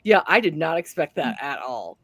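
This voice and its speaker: Animated, bright-voiced woman chatting about books. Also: low-pitched, moderate pace, no room sound. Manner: expressive, acts out quotes and reactions. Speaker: book club host. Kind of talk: casual book chat.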